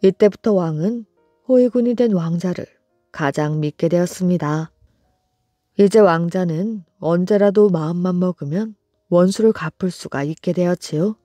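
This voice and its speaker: A storyteller narrating a folktale for a bedtime audiobook, in a slow, soothing, even reading. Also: medium pitch, no room sound. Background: soft background music.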